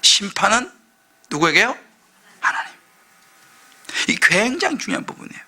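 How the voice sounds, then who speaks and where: A middle-aged male pastor preaching a sermon, impassioned, swinging from loud outbursts to hushed asides. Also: sits high, lively intonation, fairly quick, creaky. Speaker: senior pastor.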